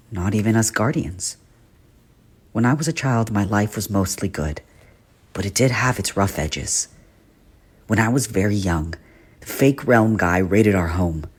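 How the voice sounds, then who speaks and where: A man playing a gentle guardian teacher haunted by his past in a dramatic monologue, with a husky, earnest, confiding delivery. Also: on the low side. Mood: gentle, reassuring. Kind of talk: dramatic character monologue for a voice reel.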